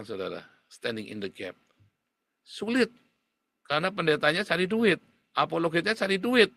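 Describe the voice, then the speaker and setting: A male pastor preaching a livestream sermon in a blunt, scolding way. His voice sits in a middle register and often leaps up high to hammer a point. The recording is dry and close, with no room sound. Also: pushed and bright, dry recording. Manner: sudden jumps to high pitch for emphasis.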